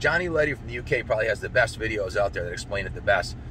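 A man is heard in a dry recording with no echo. There is light background noise. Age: 50s. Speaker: motorcycle shop owner and vlogger; motorcycle enthusiast vlogger. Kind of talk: casual vlog monologue. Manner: animated.

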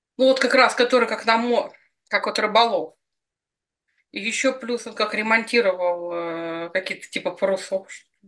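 Against a quiet background, a woman talks at a moderate pace with ordinary pitch variation. Her fairly high voice leaves long, frequent pauses. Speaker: spirit channeler. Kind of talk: channeling session. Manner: halting. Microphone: video call.

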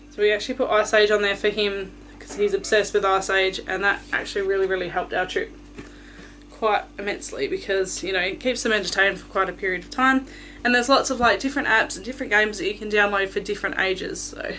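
Over music in the background, a woman speaks at a very fast pace with ordinary pitch variation. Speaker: parent vlogger. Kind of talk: casual vlog tips. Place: home room. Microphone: phone near.

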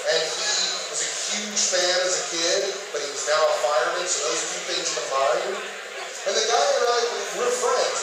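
A man at a moderate pace, with audible room echo and loud background noise. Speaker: guest. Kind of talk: panel talk anecdote. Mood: earnest, emotional storytelling. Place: hall.

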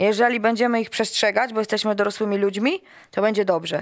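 Against a quiet background, a woman speaks at a very fast pace. Her pitch is fairly high. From Poland, Masuria (Działdowo); Poland. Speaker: national team football coach; women's national football team coach, guest. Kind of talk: casual interview. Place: studio. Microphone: headset.

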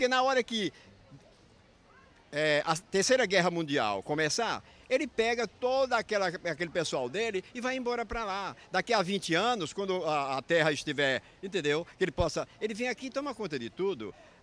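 Speaking at a moderate pace, a man uses a high voice whose pitch swings very widely. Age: 60s. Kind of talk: casual opinion.

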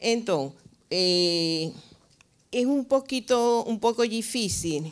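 In a quiet background, a woman talks with a Spanish accent. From Venezuela. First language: Spanish (speaking Portuguese). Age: 60s. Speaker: university professor, immigrant; university professor. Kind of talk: public hearing testimony. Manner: halting, many hesitations. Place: hall. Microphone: handheld.

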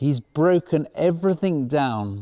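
A man speaks with a dark, mellow tone. The background is quiet. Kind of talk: interview answer. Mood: relaxed, amused. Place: open country.

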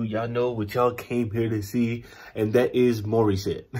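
A man's somewhat breathy voice. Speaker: reaction video host. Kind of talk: casual vlog chat. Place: home room. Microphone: phone near.

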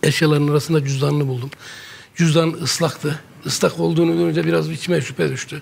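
Racing at a very fast pace, a man speaks in a somewhat breathy, fairly high-pitched voice with very wide pitch swings. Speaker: father of missing man. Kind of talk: emotional testimony on TV talk show. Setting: studio. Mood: sad, worried. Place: studio.

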